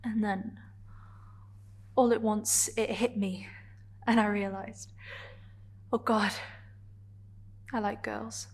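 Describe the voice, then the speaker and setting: A woman performing a dramatic stage monologue as a vulnerable, defiant gay woman confronting a partner, in halting, emotionally charged phrases. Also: medium pitch, little pitch movement. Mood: quiet, confessional.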